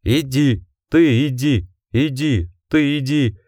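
A man voicing a dying, gentle male werewolf who speaks slowly, stressing each word, weak and fading. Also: mid-range voice, no room sound, studio quality, voice pushed up. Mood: tender, fading.

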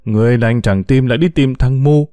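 A man voicing a boastful, dismissive older village medic with a booming voice, in a storybook reading. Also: a little fast, dry recording, studio quality, lightly acted. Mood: scornful. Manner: loud, scornful.

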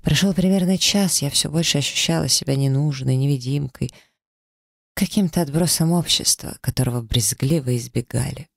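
A man reading a first-person story as an audiobook narrator, in an even, somber way. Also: fairly high pitch, normal speed, vocal fry, no room sound, clean studio sound. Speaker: audiobook reader.

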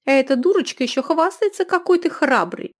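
A woman reader voicing a furious, scolding middle-aged female innkeeper who yells and nags. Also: sing-song, slow, full character voice. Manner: shrill, yelling, sharp-tongued.

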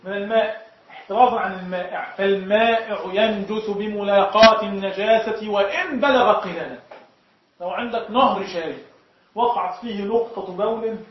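A man with an Egyptian Arabic accent leads a classroom lesson on jurisprudence and keeps asking the class whether each point is clear. His voice sits high. The recording is dull and lo-fi, with heavy echo from the lecture room. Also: normal speed. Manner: explains point by point, often asks the class if it is clear. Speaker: sheikh teaching Shafi'i jurisprudence.

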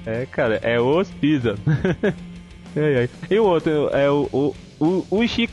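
A man's voice: fairly high pitch, expressive, measured pace, darkish tone, highs cut off. Brazilian portuguese man, laid-back podcast co-host, slangy, chuckles often, faint guitar in the background. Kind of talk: casual chat. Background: faint guitar music.

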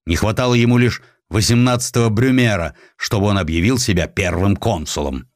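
A man's voice: fairly low pitch, fairly quick, no echo, studio quality, close to an everyday voice. A man voicing an imperious, resentful tsar in a historical audiobook, stern and pompous. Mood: indignant.

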